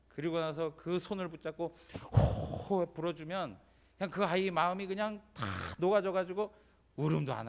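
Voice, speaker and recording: A male pastor delivering a Sunday sermon in a church, talking conversationally and often checking in with the congregation. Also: a little high. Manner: conversational preaching, frequent "예?" prompts to congregation. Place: church sanctuary.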